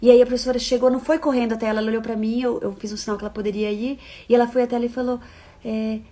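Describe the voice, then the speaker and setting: A woman giving parenting advice in a live-stream talk. She is expressive, shifting from soft, reassuring coaxing to emphatic points. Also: fairly high pitch, very fast. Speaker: parenting educator.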